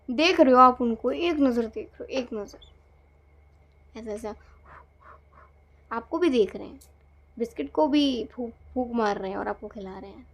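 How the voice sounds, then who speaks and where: Gentle hesitant woman, fairly high voice. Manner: gentle, hesitant, many fillers. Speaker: tarot reader. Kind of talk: guided visualization narration.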